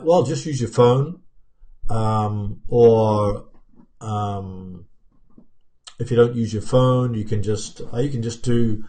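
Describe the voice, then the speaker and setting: A man in his fifties with a fairly low, mellow voice hosts a casual YouTube live-stream Q&A, answering viewers' chat comments with plenty of fillers and restarts. His New Zealand accent has been softened by years in America. He sits at a desk in a home office with plants and pictures, framed by a webcam.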